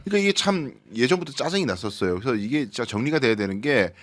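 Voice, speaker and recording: Lively Daegu man on a political panel. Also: fast. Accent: Gyeongsang (Daegu). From Daegu, South Korea. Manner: animated, mimics quoted speech with big pitch jumps. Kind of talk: political talk show discussion. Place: studio.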